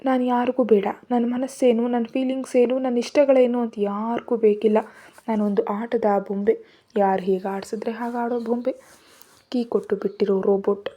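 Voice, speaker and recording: A woman's voice: a little high, flat delivery, normal speed, dark tone, natural voice. A woman voicing a heartbroken young woman who is crying and despairing, in an audio story. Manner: despairing, self-pitying.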